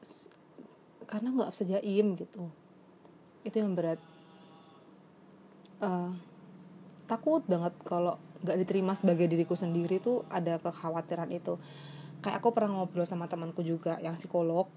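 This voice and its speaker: A woman's voice: fairly low pitch, steady tone, moderate pace, long pauses, dark tone, a little hiss or hum. A young woman who works as a psychologist, talking in a casual, reflective way and slipping English phrases into her speech. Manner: chatty and reflective, mixing in English phrases, many fillers. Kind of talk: casual confessional vlog.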